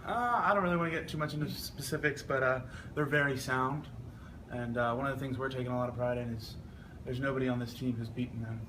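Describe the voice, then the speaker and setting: A young man, an athlete answering press scrum questions in a measured, earnest way. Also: medium pitch. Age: young adult. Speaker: football offensive lineman being interviewed. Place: media scrum with ambient noise. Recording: clearly noisy ambient background.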